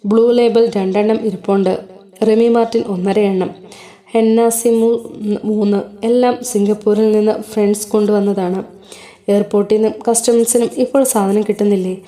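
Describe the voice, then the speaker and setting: A stern former soldier in a serialized story, delivering cutting remarks with a flat, serious deadpan, as a woman narrator gives him voice. The tone stays mellow and dark-edged. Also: medium pitch, normal speed, close to an everyday voice. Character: stern ex-soldier man, dry deadpan wit.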